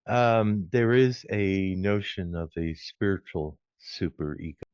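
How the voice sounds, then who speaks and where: Deep-voiced guy on a podcast, talks real slow and careful, dull audio. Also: a little mellow, smooth, no room sound. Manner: slow, deliberate, explanatory. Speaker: podcast guest, former recording engineer. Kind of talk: measured explanation. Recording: dry muffled podcast audio.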